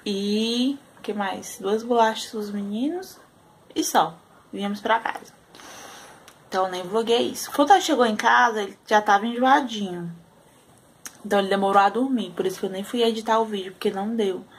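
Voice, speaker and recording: A tired young Brazilian mother chats into her camera at home in a loose, unscripted vlog style, sighing often between thoughts. Her voice sits at an ordinary pitch, with a faint hum of household noise behind her. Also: moderate pace, rough recording. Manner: chatty, sighing, with frequent "ai" and "né". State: tired after a sleepless night. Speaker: vlogger and mother.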